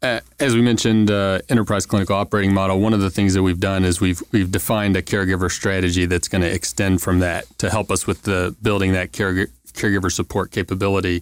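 A man's very deep, low voice at a very fast pace, monotone and flat, with very even loudness and hardly any pauses. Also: very clean recording, silent background. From Louisville, Kentucky. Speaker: experience strategy lead at health insurer. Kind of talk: interview. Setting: studio.

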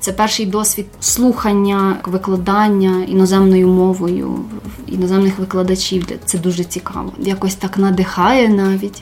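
Music plays in the background as a woman speaks. Her voice sits at medium pitch with fairly even intonation. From Vinnytsia region, Ukraine. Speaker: hospitality trainee. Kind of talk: interview.

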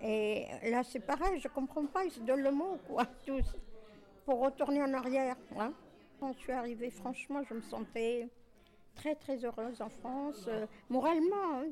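Amid noticeable background noise, the speaker goes at a fairly slow pace with ordinary pitch variation and long, frequent pauses. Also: woman, high pitch for a woman. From Tunisia. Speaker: retired hospital care assistant. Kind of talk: interview testimony. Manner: halting.

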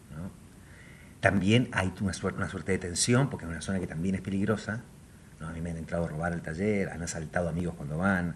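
A man's very deep, low voice at a very fast pace. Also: ordinary pitch variation. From grew up in many countries. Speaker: visual artist. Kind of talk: casual chat.

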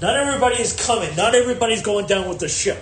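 A loud man speaks with audible room echo. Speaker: podcast host. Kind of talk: rant monologue. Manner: animated.

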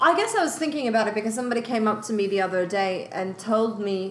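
A woman at a fairly quick pace with ordinary pitch variation, over noticeable background noise. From Sweden. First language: Swedish. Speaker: podcast host. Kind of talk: casual chat.

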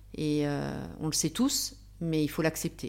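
A woman with a very deep, low pitch speaks at a fairly slow pace on a very clean recording with a silent background. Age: 50s. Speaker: coaching client. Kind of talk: testimony. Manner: halting.

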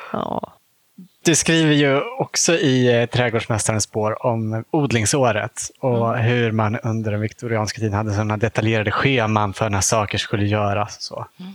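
A man talks at a moderate pace with medium pitch and ordinary pitch variation. His is an unremarkable speaking voice. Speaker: podcast host. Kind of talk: interview. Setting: greenhouse.

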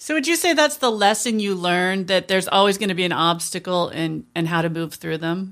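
A woman talks at a fairly quick pace with hardly any pauses. Her pitch sits in the middle range and varies in an ordinary way. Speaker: podcast host. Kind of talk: interview. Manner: enthusiastic.

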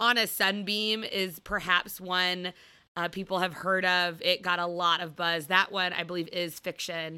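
On a very clean recording with a silent background, a woman with an American accent speaks in a bright, sharp, medium-pitched voice with monotone, flat intonation. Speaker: podcast host discussing books. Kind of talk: casual chat.

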